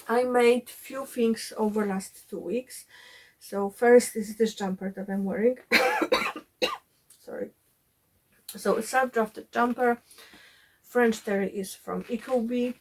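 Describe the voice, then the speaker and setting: A woman's voice: fairly high pitch, big pitch swings, slow pace, pauses often, husky, rough recording. A woman vlogging about sewing from her cottage home, chatty with frequent fillers, her voice a bit chesty while recovering from illness. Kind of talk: casual sewing vlog.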